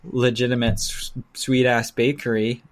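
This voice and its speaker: A man's voice: medium pitch, little pitch movement, a little slow. A man co-hosting a podcast, chatting casually and jokingly in loose, informal language with some swearing. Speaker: podcast co-host. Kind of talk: casual comedic banter.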